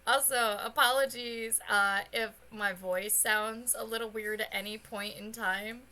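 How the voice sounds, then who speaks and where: Chatty, bright-voiced young woman streamer. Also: fairly high pitch, measured pace. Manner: chatty and rambling, with bursts of excited squealing. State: slightly hoarse, voice still recovering. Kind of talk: casual let's-play chat. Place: home streaming setup.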